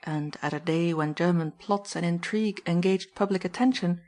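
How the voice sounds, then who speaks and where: Woman reading an audiobook, lowish voice. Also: normal speed, darkish tone. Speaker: audiobook reader. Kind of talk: audiobook narration.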